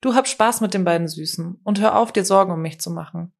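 A woman voicing a tired, uneasy young man who is quiet and withdrawn. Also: lowish voice, fairly quick, vocal fry. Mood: defensive.

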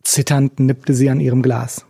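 A man reading a novel aloud as audiobook narrator, steady and measured, on a close studio mic. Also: medium pitch, gravelly, husky, no echo.

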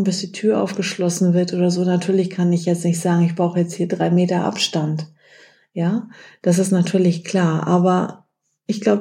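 Mellow-voiced woman coaching listeners. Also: fairly low pitch. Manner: direct, coaching, addresses listener as du; acts out short example phrases. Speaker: podcast host. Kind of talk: advice podcast talk.

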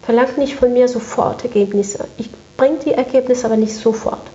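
A woman's voice: on the high side, brisk, dark tone. A woman speaking as an interview guest, recounting her work conversationally and repeating phrases for emphasis. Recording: echoey room, dull muffled sound.

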